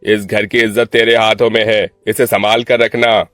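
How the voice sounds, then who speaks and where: A man's voice: on the low side, level tone, normal speed, fairly bright tone, dry recording, clean studio sound, soft background music, close to an everyday voice. A man voicing a harsh, proud young man in a cartoon, stern and menacing.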